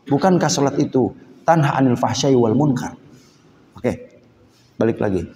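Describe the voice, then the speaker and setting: A man preaching a lively Islamic sermon, mixing languages and swinging between loud emphatic lines and low asides. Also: moderate pace, in a large hall. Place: mosque hall.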